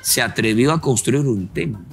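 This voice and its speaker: A man's voice: medium pitch, animated, normal speed, vocal fry, slightly rough, soft background music. A man hosting a Christian program, commenting on the testimony in a preacherly way and quoting scripture. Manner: preacherly, reflective, quotes scripture. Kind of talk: sermon-like interview commentary.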